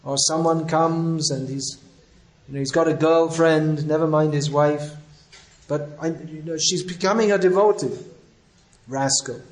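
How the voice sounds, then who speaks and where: A man's voice: a little high, flat delivery, measured pace, reverberant, poor audio. A man, a spiritual teacher, giving a religious lecture that tells stories with quoted dialogue and scolds.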